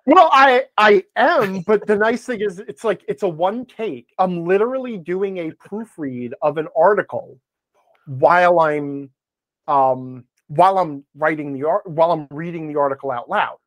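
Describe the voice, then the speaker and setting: A man with a slightly high voice speaks in a casual, conversational way, as a guest being interviewed. He rambles, acts out his own remarks and jokes at his own expense. The sound is dry, with hardly any room in it. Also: measured pace, no echo. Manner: rambling, animated self-quoting, self-deprecating joking. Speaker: podcast guest, game advice blogger.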